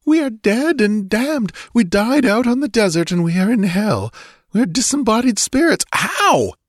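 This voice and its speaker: A man's voice: high voice, sing-song, moderate pace, dry recording, studio quality, pitched above the performer's own voice. A man voicing a frightened, despairing young woman in a fantasy audiobook, whimpering as he speaks.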